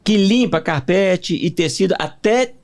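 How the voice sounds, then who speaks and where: A man's voice: sits high, expressive, unhurried. A man co-hosting a podcast, hyping a product with playful salesman banter. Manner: jokey, salesman-like hype. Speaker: podcast co-host.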